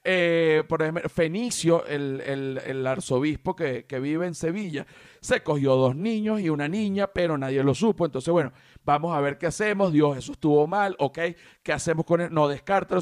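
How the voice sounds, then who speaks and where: A Venezuelan man with a slightly high voice talks in a loose, joking podcast chat. He is animated and drags out words when he wants to land a point. The sound is dry and close, with no room around it. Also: no echo. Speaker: podcast host. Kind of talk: casual comedic chat.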